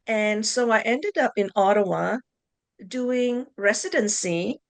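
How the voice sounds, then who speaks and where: A middle-aged woman from Malaysia, a psychology professor, introducing herself in a measured way on a video call from a home office. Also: medium pitch, lively intonation. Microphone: video call webcam.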